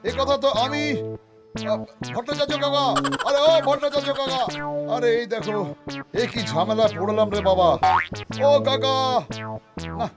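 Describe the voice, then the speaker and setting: A man's voice: very high-pitched, steady tone, normal speed, long pauses. A man voicing a wheedling, easily flustered village man in a cartoon, with a coaxing, whiny delivery. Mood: flustered, annoyed. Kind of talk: cartoon character acting. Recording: music bed behind the voice.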